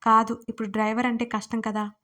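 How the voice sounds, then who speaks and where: A woman's voice: a little high, flat delivery, fast, a bit bright, natural voice. A woman voicing a pouting, pleading young wife in a romance audio story, coaxing and pouty.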